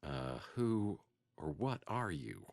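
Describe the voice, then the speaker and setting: An actor playing a world-weary, guilt-ridden private detective in a video game, delivering brooding, deliberate noir narration. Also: male voice, deep voice, very animated, no room sound, studio quality, exaggerated voice. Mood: confused. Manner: brooding, deliberate, gravely serious. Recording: loud music under the voice.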